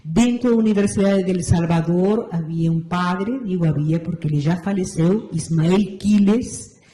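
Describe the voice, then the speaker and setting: Interview guest: Argentine woman in her sixties, Spanish-accented, mellow and unhurried, in a roomy space. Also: fairly low pitch. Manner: measured, thoughtful, frequent "não é certo" tag. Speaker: interview guest, meditation teacher. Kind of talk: reflective interview answers. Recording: roomy echo.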